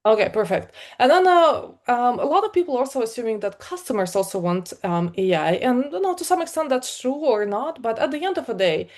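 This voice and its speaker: A middle-aged Ukrainian woman, a product leader, gives a live conversational talk to an online meetup in a Ukrainian accent. Her voice is fairly high and a little fast, with few pauses, many fillers and an energetic delivery.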